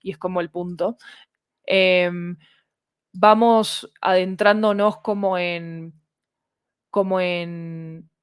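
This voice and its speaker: A woman's voice: fairly low pitch, steady tone, takes it slowly, pauses often, clean tone, no room sound, clean studio sound. A woman explaining things conversationally as a podcast guest, discursive and often checking in with short tag questions. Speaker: podcast guest, fiction audio producer.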